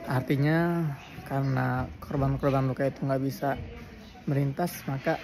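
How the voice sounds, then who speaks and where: A tired man from Indonesia reports in a casual vlog, first from a crowded outdoor border crossing and later from a cafe, with crowd chatter audible behind him. He's chatty and earnest with soft laughs, speaking at a normal pace in a creaky, medium-pitched voice with fairly even intonation.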